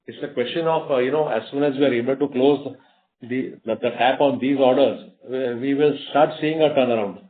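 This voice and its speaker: A man's voice: mid-range voice, a little fast. A man with an Indian accent answers investor questions as a company executive in a conversational, explanatory way, often repeating phrases. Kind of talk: unscripted earnings call answers. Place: conference call. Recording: muffled narrowband conference phone line.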